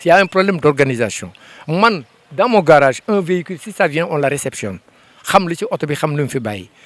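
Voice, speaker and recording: With an unremarkable speaking voice, a man talks at a fairly high pitch. His pace is fairly quick and his intonation lively. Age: 60s. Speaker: mechanic, garage chief. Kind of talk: interview.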